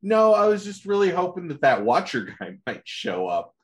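An eager, wide-eyed teenage boy superhero who wonders aloud about everything, as a man puts him on. The voice jumps around in pitch with a lively, bouncing delivery. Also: moderate pace.

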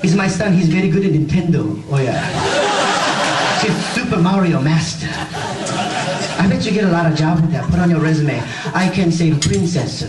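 A boastful Korean mother acted by a male comedian exclaims in broken English, high and swooping. The stage sound is echoey, with a loud crowd. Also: lively intonation, moderate pace, very noisy, natural voice. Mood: scornful boasting. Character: boastful, doting Korean mother praising another boy. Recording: echoey live room, distant mic, loud crowd.

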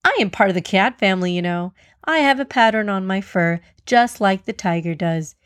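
A woman's voice: mid-range voice, lively intonation, normal speed, dry recording, close to an everyday voice. A woman voicing a vain, boastful male clouded leopard with a smug, wheedling manner in a children's story. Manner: smug, self-assured wheedling.

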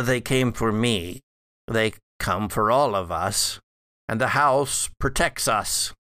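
Undead gothic father, played by a male game master: weary, mocking, drawn-out delivery, bright edge with vocal fry. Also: mid-range voice, no room sound, studio quality. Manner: halting, drawn-out, condescending delivery. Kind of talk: improvised in-character horror roleplay.

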